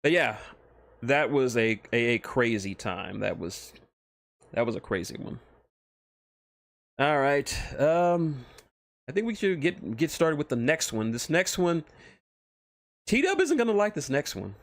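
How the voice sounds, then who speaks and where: A man's voice: mid-range voice, very animated, measured pace, creaky, pauses often, no echo. Man rambling on a livestream, close dry sound. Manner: rambling, profane, enthusiastic fan talk. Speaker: streamer, host. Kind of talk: casual livestream chat about fan fiction.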